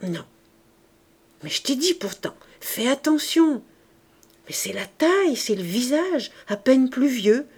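A woman's voice: sits high, very animated, slow, darkish tone, breathy edge, pitched above the performer's own voice, full character voice. A woman reading aloud, voicing a domineering poor older man who speaks in a raised, agitated, commanding voice. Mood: excited, gloating.

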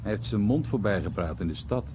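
A man playing an American war veteran who soberly recalls his bomber days in a radio drama monologue, in a husky voice. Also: on the low side, animated, brisk, noisy background, natural voice. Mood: sober recounting. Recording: slightly dull radio recording.

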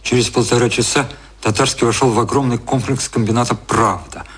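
A man narrating an audio drama in a scripted literary style, with a slightly husky voice. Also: mid-range voice, fairly even intonation, brisk, a bit bright. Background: music.

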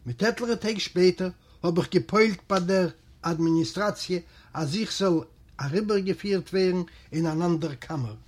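A man from Eastern Europe reading a literary memoir aloud as an audiobook narrator, in a measured, steady voice. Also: high-pitched. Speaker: audiobook reader.

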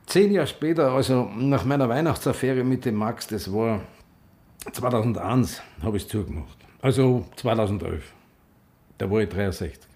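An actor in a radio drama playing a gay bar owner in his sixties, weary, principled and defiant, with an Austrian accent and a husky voice. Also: mid-range voice, normal speed, a little mellow, slight background noise, lightly acted. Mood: wistful. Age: 60s. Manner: dialect-tinged, impassioned, reflective. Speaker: lead actor and narrator. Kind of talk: radio drama acting and first-person narration.

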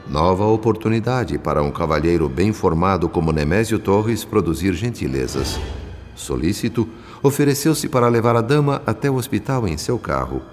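A Brazilian man reading scripted, literary radio drama narration in a measured, formal and solemn storytelling manner. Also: low voice, expressive. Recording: long reverb, music behind. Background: background music.

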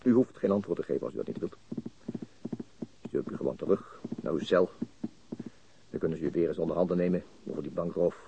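An actor playing a calm, shrewd police detective, measured and understated, in a radio crime drama with muffled sound. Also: male voice, deep voice, gravelly, background noise. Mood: quietly insistent.

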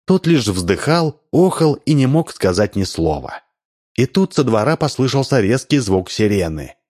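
A man narrating a story aloud in a lively, expressive reading. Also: medium pitch, moderate pace. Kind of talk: audiobook reading.

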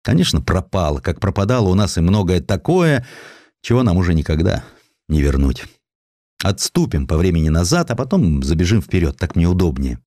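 Deep-voiced man narrating history, very expressive. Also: brisk, dry recording, clean studio sound. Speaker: audiobook narrator.

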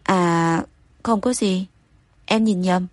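A playful young woman protests, pleading and a little higher, as a woman reading an audio story lifts her voice. The sound is close and dry. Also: slow pace, no room sound. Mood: protesting.

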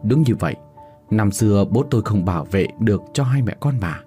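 A man's voice: lowish voice, lively intonation, fairly quick, warm tone, faint music behind, close to an everyday voice. Man voicing an apologetic old grandmother. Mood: earnest.

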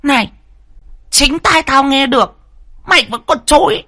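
A man voicing a spiteful young woman with a shrill, sharp-tongued voice, scolding and accusing in a spoken horror story. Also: animated, measured pace, heavily acted. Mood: vicious scolding. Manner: screeching, bullying, accusing.

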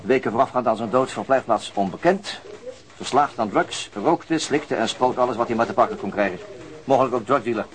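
A man acts a businesslike male detective in a radio drama. His pitch is in the middle range for a man. He speaks in a clipped, matter-of-fact manner, like someone on police duty. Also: a little fast, lightly acted. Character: businesslike male detective reading out a case report.

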